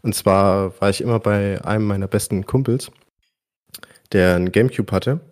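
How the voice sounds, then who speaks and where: Low-pitched man in casual chat. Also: moderate pace, a little mellow. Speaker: podcast guest presenting his favourite games. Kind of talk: casual podcast chat about video games.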